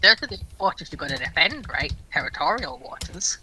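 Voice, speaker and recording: A man's voice: on the high side, very animated, fairly quick, pushed and bright. A man chatting casually in a tongue-in-cheek way over a slightly noisy connection with keyboard clicks. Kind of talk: casual chat, joking. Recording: background noise with clicks.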